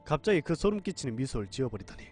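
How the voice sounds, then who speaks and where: A man's voice: medium pitch, big pitch swings, racing, a little mellow, soft background music. Dramatic male horror storyteller. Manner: dramatic, tense first-person storytelling. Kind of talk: scripted horror narration.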